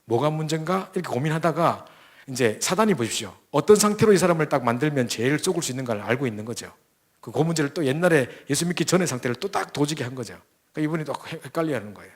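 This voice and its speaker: A young man preaching a sermon, telling a story full of quoted dialogue and quick restarts. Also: a little high, expressive. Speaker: preacher at a church training camp. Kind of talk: sermon with acted-out stories.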